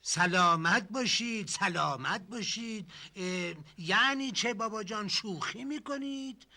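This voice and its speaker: An impatient, scolding relative in a TV comedy drama. He speaks high and sharp. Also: heavily acted.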